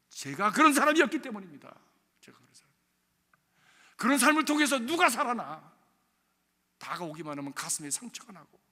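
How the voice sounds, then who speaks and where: A high-pitched, bright-voiced man preaching a sermon in a church sanctuary. His voice swoops widely, dropping to hushed near-whispers and then climbing to loud peaks. A long hall reverb hangs behind every phrase. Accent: Korean. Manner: preaching with sweeping rises and hushed drops. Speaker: pastor.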